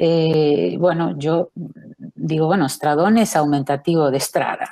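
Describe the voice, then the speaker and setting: A woman speaks at a fairly slow pace in a dark, mellow tone. Her pitch is very deep and low. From Argentina, Greater Buenos Aires. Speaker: literary translator. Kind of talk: talk at a panel discussion. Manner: halting, with many repetitions and fillers.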